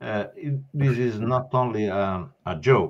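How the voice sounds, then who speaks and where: A man with an Italian accent talks at a fairly slow pace, with medium pitch and lively intonation. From southeast Italy. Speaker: energy engineering executive. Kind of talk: interview. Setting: video call. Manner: halting.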